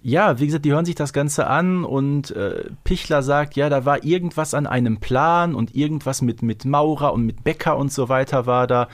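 A man's voice: medium pitch, normal speed, few pauses. Chatty man co-hosting a podcast. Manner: chatty, colloquial, seeks agreement with tag questions. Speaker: podcast co-host. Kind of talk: casual retelling and discussion of an audio drama episode.

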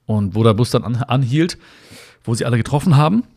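A man's voice: medium pitch, lively intonation, brisk, a little mellow, husky. A man hosting a talk show, recalling a hard time in his life to the listener in a reflective, hesitant way with many fillers and restarts, in a room with the window open in the mountains. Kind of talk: personal storytelling to the listener.

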